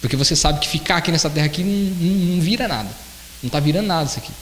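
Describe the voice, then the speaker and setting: A man preaching a sermon in a church, conversational and animated, sharing personal testimony. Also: a little high, rapid-fire. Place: church hall. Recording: echoey church hall with faint hiss.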